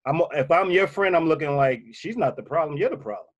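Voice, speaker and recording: A man with a slightly bassy voice talks through relationship advice in a loose, conversational way. He leans on his points and comes back to them again and again. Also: quick pace, muffled recording. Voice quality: a little bassy voice. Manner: emphatic, repeats key points. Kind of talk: casual advice talk.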